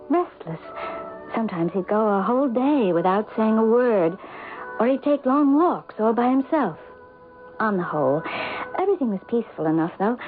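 A woman's voice: mid-range voice, natural voice. A woman playing an emotional, romantic wife who narrates a mystery in a radio drama. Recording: tinny old radio broadcast.

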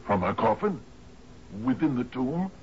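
An actor playing a grief-stricken sea captain in a 1970s radio drama, halting and repeating his words in disbelief. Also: medium pitch, very animated. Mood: shocked, anguished. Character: grief-stricken male sea captain, devoted widower, anguished and commanding. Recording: dull noisy vintage radio broadcast.

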